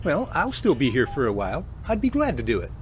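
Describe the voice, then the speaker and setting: A man's voice: medium pitch, huge pitch swings, quick pace. A man playing an easygoing, folksy, joking friend in an amateur radio drama. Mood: good-natured. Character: good-natured, joking male field buddy. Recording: hissy, noisy background.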